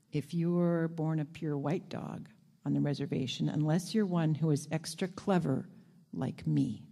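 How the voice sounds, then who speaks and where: A woman reading aloud as a clever, proud old male dog, in a plain, unhurried storytelling voice. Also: low voice, mellow, pitched below the performer's own voice.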